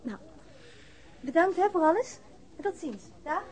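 An actress playing a forward, playful young woman who is quick to take offence, in a radio drama. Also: extremely high pitch, expressive, darkish tone. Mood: fond. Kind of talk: Dutch radio drama acting. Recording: noisy old radio drama recording.

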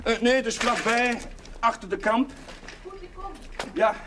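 A man's voice: extremely high pitch, slow, heavy background noise. A man playing an amiable, slightly timid village Catholic chaplain in a television drama, chatty and hesitant. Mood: hesitant, polite. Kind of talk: 1970s television drama acting.

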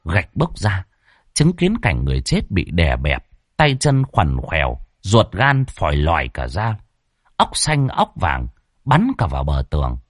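Lively, low-voiced male horror storyteller. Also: unhurried, no echo, studio quality. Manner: lively, expressive delivery. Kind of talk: dramatic ghost story narration.

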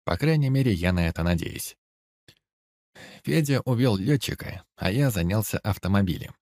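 A man narrating a first-person novel in a steady, even storytelling manner. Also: fairly low pitch, normal speed, no echo, studio quality. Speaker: audiobook narrator.

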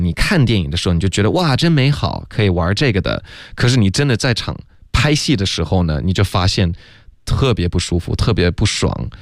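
A man teaching English on a radio lesson, explaining pronunciation slowly and laughing often. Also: sits low, no room sound, clean studio sound.

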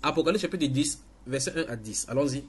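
A man, teaching in church with emphatic, halting delivery full of restarts. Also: medium pitch, husky. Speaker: preacher.

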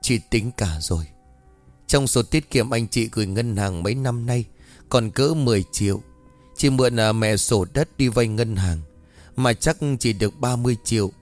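A man's voice: mid-range voice, moderate pace, darkish tone, faint music behind, close to an everyday voice. Desperate village wife, read by a male narrator; pleading, tearful. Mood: worried.

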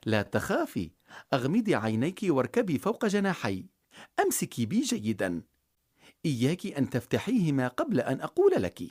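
A storyteller doing a gentle talking sparrow. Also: medium pitch, wildly swooping pitch, a little fast. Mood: reassuring. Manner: soothing, reassuring.

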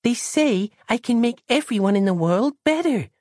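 Man doing a small naive girl, high piping voice, sing-song, lively swings in pitch. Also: moderate pace, no room sound, studio quality. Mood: naive, earnest. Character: small wise-sounding girl, naive and cheerful. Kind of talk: audiobook reading.

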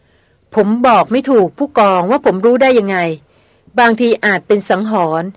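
Female reader as an enigmatic young jungle man, slow and measured, calm and grave, mid-pitched, dry sound; audiobook. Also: no room sound, lightly acted. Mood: solemn. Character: mysterious young male jungle wanderer, calm, solemn.

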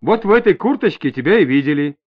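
A firm, level-headed inspector presses a suspect for answers, as a male narrator puts him on. He talks steadily, with a fairly high and lively voice. The audiobook sound is dull and lo-fi. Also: fast. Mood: pressing. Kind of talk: audiobook character voice.

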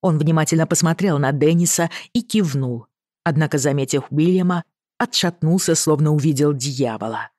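An audiobook narrator reading a novel in a steady, even storytelling manner. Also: medium pitch, moderate pace, no room sound, studio quality. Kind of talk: scripted narration.

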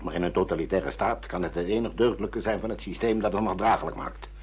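An older actor playing a stern, pragmatic father who lectures and reproaches, with a raspy voice, in a Dutch radio play. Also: low voice, fast talker. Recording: dull lo-fi radio play recording.

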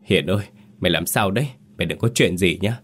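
A man's voice: low-pitched, quick pace, a little hiss or hum, close to an everyday voice. A man voicing a panicky young man who whines over his unconscious friend. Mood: whining.

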